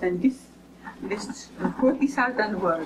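Very slowly and with lively intonation, a woman speaks in a Japanese accent over noticeable background noise. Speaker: university librarian. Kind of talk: lecture. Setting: stage with audience. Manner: halting. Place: classroom. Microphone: camera far.

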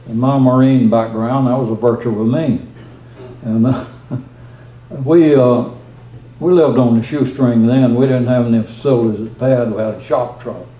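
With audible room echo, a man of medium pitch for a man speaks at a moderate pace with fairly even intonation and long, frequent pauses. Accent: American. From United States. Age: 80s+. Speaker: retired space program engineer; war veteran. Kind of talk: storytelling talk to an audience. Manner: plain-spoken, folksy. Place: hall. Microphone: podium.

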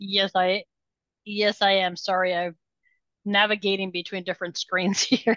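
With a bright, sharp tone and monotone, flat intonation, a woman speaks with long, frequent pauses against a quiet background. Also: moderate pace, dry sound with no echo. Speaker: professional association meeting organizer. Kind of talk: meeting introduction. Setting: video call. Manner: halting. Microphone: video call.

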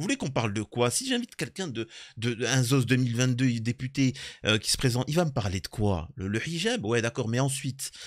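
With lively intonation and a moderate pace, a man talks against a quiet background. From Algerian heritage, France. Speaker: political news commentator, online video host. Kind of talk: political commentary monologue. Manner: hesitant, many filler words. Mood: assertive, emphatic.

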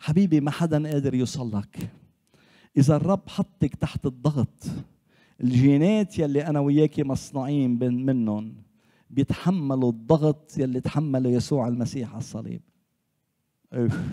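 Against a quiet background, a man with a dark, mellow tone talks at a fairly slow pace with ordinary pitch variation. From Lebanon, Beirut (Achrafieh); Lebanon. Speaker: pastor. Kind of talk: sermon. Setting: church. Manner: animated. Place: church. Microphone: handheld.

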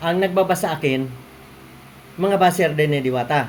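A man's fairly high voice shows ordinary pitch variation and moves at a moderate pace. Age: 60s. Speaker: vlogger. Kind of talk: casual vlog monologue. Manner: halting.

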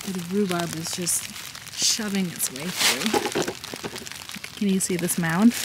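With noticeable background noise and a dry sound with no echo, a woman speaks at a very slow pace. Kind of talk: casual vlog chat. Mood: cheerful, chatty. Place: garden. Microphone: phone near.

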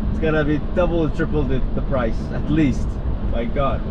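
A man is speaking. Loud background noise is present. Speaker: car vlogger. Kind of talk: casual vlog chat. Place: car. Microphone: camera far.

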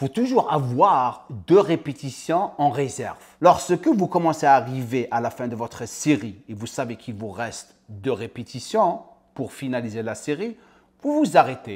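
An animated man at medium pitch with lively intonation and a fairly slow pace, on a very clean recording with a silent background. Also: big swings in loudness. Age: 50s. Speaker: fitness coach and YouTuber. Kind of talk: video commentary.

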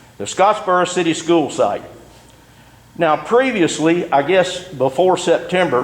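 A man's high-pitched voice with an Alabama accent, fairly slow and with long, frequent pauses, at very even loudness amid noticeable background noise. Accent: Southern US (Alabama). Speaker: citizen activist. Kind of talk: public comment at board meeting. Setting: public meeting room. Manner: loud, projecting.

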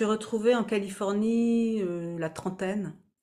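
A woman at a very slow pace with ordinary pitch variation, against a quiet background. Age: 50s. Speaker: spiritual teacher and psychotherapist. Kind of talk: interview. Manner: halting. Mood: calm, reflective. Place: home room.

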